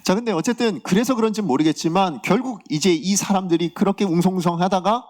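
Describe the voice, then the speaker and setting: A man's voice: high voice, quick pace, a little mellow. A man preaching a Sunday sermon as pastor, in a conversational way, often asking the congregation rhetorical questions.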